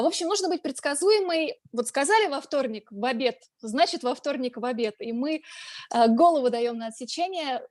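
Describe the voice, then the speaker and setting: A woman's voice: on the high side, dry recording, clean studio sound. A woman from Russia, a blogger and journalist, giving a conference presentation in a chatty way, with frequent filler sounds and restarts.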